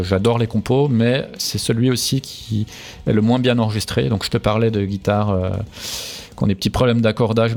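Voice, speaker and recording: A man with a low, gravelly voice talks through his band's records in a casual interview. He hesitates a lot, filling gaps and restarting phrases. Faint music plays under the talk. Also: a little mellow. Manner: hesitant, many fillers and restarts. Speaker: musician guest.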